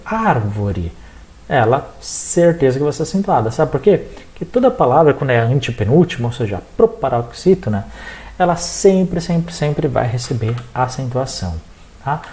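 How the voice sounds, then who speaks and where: A teacher from Brazil with a Brazilian accent, giving a recorded exam-prep lesson, talking straight to the students and checking in often to see they follow. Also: medium pitch. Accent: Brazilian Portuguese. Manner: animated, addresses students directly, checks in with frequent "tá?".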